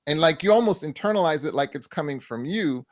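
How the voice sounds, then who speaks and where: Man, talk show co-host, higher-pitched, deliberate, repeats his points. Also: expressive, dry recording. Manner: measured, repeats key phrases for emphasis. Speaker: co-host, doctor answering viewer questions. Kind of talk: faith-based mental health talk show.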